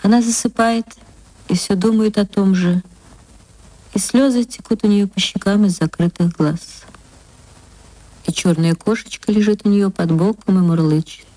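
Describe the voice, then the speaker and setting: A woman narrating a classic short story for an archive radio reading in a tender, unhurried way, slowing down at reflective passages. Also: medium pitch, fairly even intonation, warm tone, no echo, rough recording.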